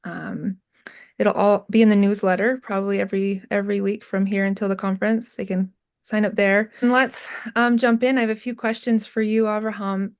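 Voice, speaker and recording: A woman's voice: mid-range voice, little pitch movement, brisk. A woman hosting an interview, friendly and upbeat as she announces a conference and asks questions. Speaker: interviewer, event organizer.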